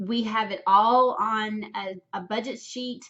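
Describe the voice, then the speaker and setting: Fairly high in pitch, a woman's voice moves with ordinary pitch variation. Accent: slight Southern US. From US South. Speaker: wealth coach. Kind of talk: tutorial. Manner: animated.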